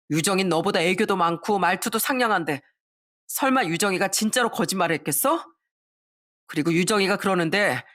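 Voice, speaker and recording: A woman's voice: medium pitch, fairly bright tone, lightly acted. A smug, shallow young man, as a woman narrator reads him. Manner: smug, dismissive.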